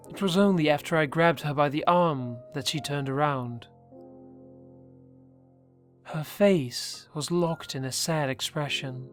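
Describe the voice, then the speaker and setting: Male horror narrator, fairly high voice, measured and hushed in the tense bits, faint music bed. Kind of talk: scripted horror story narration.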